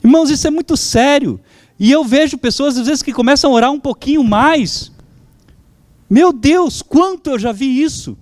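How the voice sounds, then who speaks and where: A man's voice: extremely high pitch, moderate pace, darkish tone, dry recording, clean studio sound. A man whose first language is German, preaching a sermon as pastor, fervent and calling out to his congregation.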